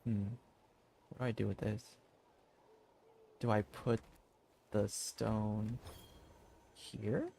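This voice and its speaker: A man giving casual gameplay commentary as a streamer, rambling and thinking aloud in a halting way. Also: on the low side, flat delivery, gravelly, mellow, slight background noise. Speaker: video game streamer.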